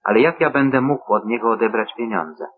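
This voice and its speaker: Man reading as earnest dutiful young son, measured solemn reading, husky, tinny phone-like sound. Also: lowish voice, lively intonation. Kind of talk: scripture reading.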